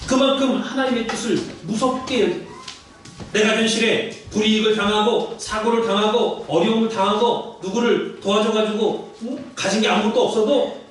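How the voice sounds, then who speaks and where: Male pastor, sermon, emphatic preaching, high voice, very echoey church hall, distant mic. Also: steady tone, normal speed. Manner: emphatic preaching, acts out dialogue with rising voice. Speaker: senior pastor. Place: church sanctuary.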